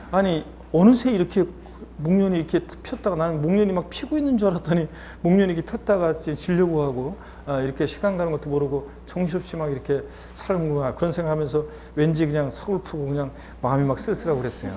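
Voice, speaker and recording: A male instructor gives a lecture in a chatty, encouraging manner, often pausing to reassure his students. His voice sits a little high for a man but sounds mellow and warm. A faint hiss of noise sits behind him.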